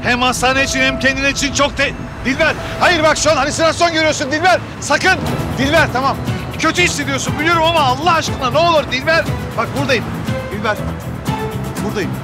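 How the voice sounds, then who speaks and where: A doctor in a hospital drama pleads and soothes with mounting urgency. His voice sits high for a man and strains upward, and dramatic music plays behind him. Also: quick pace, crowd noise. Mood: pleading. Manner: urgent, pleading, trying to calm a patient. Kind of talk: Arabic-dubbed hospital drama.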